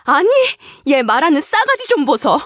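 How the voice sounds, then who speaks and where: A woman's voice: sits high, very animated, moderate pace, fairly bright tone, dry recording, pitched above the performer's own voice. A woman putting on a scornful, scolding mother-in-law. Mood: furious. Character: cruel sneering middle-aged mother-in-law doctor. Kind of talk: dramatized story reading.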